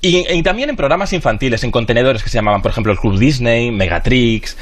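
A man's voice: medium pitch, animated, fast. Chatty man on radio. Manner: chatty and nostalgic, hums and sings snippets. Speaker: radio TV-history pundit. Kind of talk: casual radio chat.

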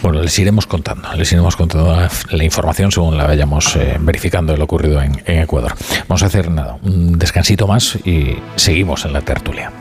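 A male radio host leading a live news discussion, measured and hesitant, often pausing with fillers. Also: very deep voice, a little mellow, faint music behind.

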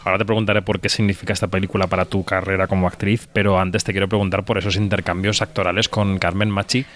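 A man's voice: deep voice, level tone, fast, fairly bright tone. A man interviewing for a film podcast, asking long, elaborate questions.

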